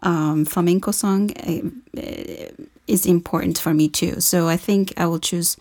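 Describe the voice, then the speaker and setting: A woman from Morocco speaks as a guest singer in an interview. Her voice sits a little low and carries plenty of gravel. She reflects earnestly and searches for her words. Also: steady tone, a little slow, a little mellow. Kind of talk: interview answers.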